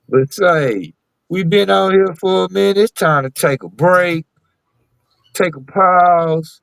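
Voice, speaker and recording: A male radio host with a raspy, carrying voice, speaking in a drawn-out, emphatic, opinionated way. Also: sits high, fairly bright tone, dry recording, low-quality recording. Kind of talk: casual radio chat.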